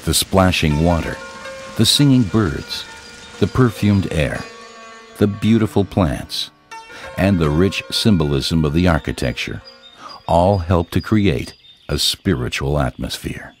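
A man giving calm, measured, reverent narration for a documentary. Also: sits low, faint music behind.

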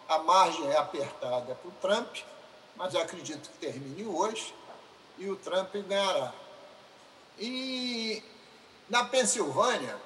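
Brazilian man, state deputy, formal floor speech, slow measured delivery, echoing assembly hall. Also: high voice, fairly bright tone. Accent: Brazilian Portuguese. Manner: slow, deliberate, addresses a colleague formally. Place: legislative assembly chamber. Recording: roomy chamber sound with faint hiss.

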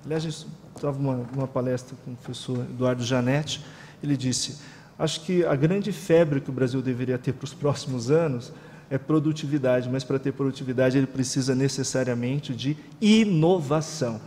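A man's voice: mid-range voice, fairly quick, mellow. Man moderating in a reverberant hall. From Brazil. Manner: explanatory, formal. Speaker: panel moderator. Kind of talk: formal seminar remarks. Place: conference room with panel table. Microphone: table microphone.

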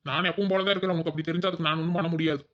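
Grumpy jealous cartoon husband a guy voicing him, kongu accent, talks super fast, bright edgy tone, dull lo-fi audio. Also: on the high side, steady tone, lightly acted. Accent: Kongu Tamil. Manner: curt, snapping replies. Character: sulky jealous village husband, curt and grumpy. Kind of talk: cartoon voice acting.

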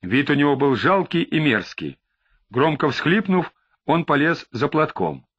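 A man narrating an audiobook in an expressive, varied reading style. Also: fairly high pitch, unhurried, husky, dull audio. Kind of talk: scripted narration.

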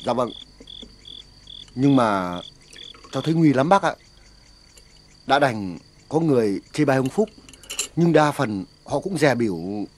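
An actor voices a worried young village man from a TV drama, polite and deferential. His voice is mid-pitched and plain. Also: lively intonation, measured pace, long pauses, a little mellow, slight background noise, natural voice. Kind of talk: TV drama acting.

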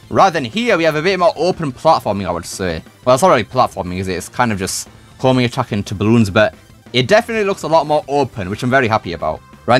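Animated man giving casual game commentary. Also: mid-range voice. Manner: informal, thinking aloud. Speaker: video creator.

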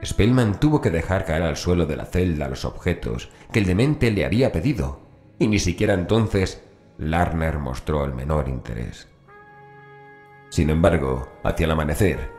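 A man's voice: very deep voice, a little mellow. A man narrating a scripted horror story as an audiobook narrator, with music behind him. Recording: voice over background music.

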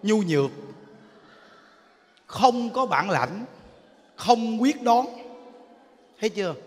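A Buddhist monk giving a humorous sermon in a temple hall, chatty and teasing. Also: male voice, high voice, lively intonation, slow. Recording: long reverb of a large hall.

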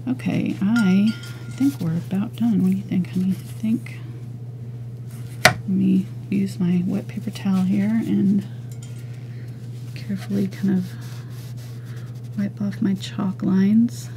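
A woman teaching an acrylic painting lesson, talking casually and thinking aloud as she works, with soft murmured asides. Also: medium pitch, fairly even intonation, slow, pauses often, slight background noise. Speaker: painting instructor. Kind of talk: relaxed step-by-step art lesson.

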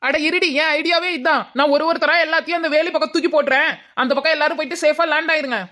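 A woman's voice: high-pitched, fairly even intonation, quick pace, sharp tone. A woman voicing a bold, scheming village girl. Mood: bossy, cheerful. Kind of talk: Tamil cartoon dub.

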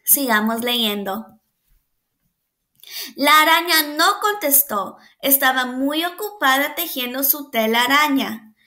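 A woman's voice: high-pitched, expressive, slow pace, pushed and bright. A woman preschool teacher reading a picture book aloud to young children. She patiently asks them questions, praises them, and sounds out the animal noises.

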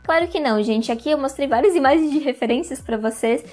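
A woman's voice: sits high, fast talker, faint music behind. A young woman hosting an interior design video, talking casually to the camera on a lapel mic in a room, with lots of hand gestures. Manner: chatty, animated hand gestures, addresses viewers directly. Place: indoor room with curtains and plants.

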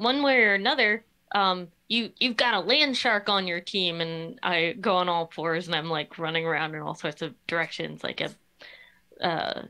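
A woman taking part in a tabletop game over a video call. Her voice is bright and forward. She chats freely, describing what her character does. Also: medium pitch. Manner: chatty, describes actions. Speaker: player. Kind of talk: casual tabletop play.

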